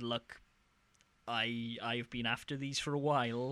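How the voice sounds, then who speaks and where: The recording is very clean, with a silent background. A man speaks in a Welsh accent with a bright, sharp tone. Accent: Welsh lilt. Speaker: video game podcast host. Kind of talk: casual chat.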